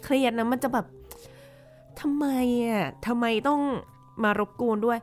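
A woman in her twenties hosting a casual podcast chat, telling stories in an animated way. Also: a little high, a little slow, faint music behind. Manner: animated storytelling. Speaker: podcast host.

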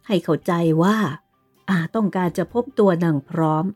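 A woman's voice: lowish voice, moderate pace, a little mellow, faint music behind, close to an everyday voice. A woman voicing a stern, commanding aristocratic aunt who gives orders and reproaches in a dramatized novel reading. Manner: authoritative, giving orders and reproaches. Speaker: reader voicing a character.

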